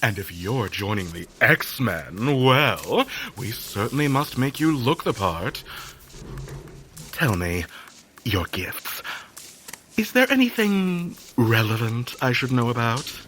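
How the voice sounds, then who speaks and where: Theatrical couturier, effusive and genteel, unhurried, lively melodic delivery, audio drama. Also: male voice, medium pitch, a little hiss or hum. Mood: effusive, showy. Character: flamboyant four-handed mutant fashion designer, warm and theatrical.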